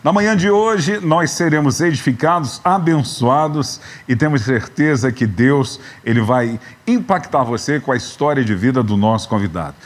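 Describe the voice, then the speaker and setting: A man's voice: mid-range voice, animated, normal speed, few pauses. A man in his fifties with a São Paulo accent, a pastor hosting a live church webcast and drawing out his greetings. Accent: Brazilian Portuguese, São Paulo. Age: 50s. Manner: warm greetings, stretched out and raised. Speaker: pastor and program host. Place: church building.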